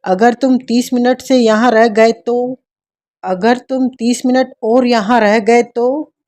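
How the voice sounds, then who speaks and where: A woman reading an audiobook voices a mysterious young noblewoman who whispers urgent warnings in a hushed, slow voice. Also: fairly high pitch, fairly even intonation.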